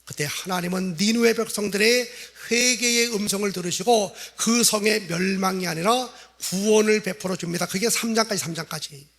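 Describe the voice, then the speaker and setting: A man's voice: high voice, normal speed, hardly any pauses, fairly bright tone. A middle-aged male pastor preaching a revival sermon in a church, telling the story vividly and acting out the quoted lines. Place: church sanctuary.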